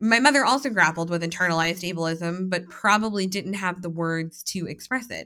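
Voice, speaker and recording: A woman talks at a fairly quick pace in a fairly low pitch, her tone bright and sharp, with ordinary pitch variation on a very clean recording with a silent background. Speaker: podcast co-host. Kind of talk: casual chat.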